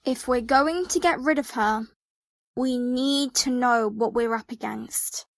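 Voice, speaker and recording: A woman plays a sceptical young adventurer in an audio drama. Her voice is very high and recorded dry. She reasons through things in a questioning, analytical way. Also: unhurried, gravelly, dry recording. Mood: sceptical, thoughtful.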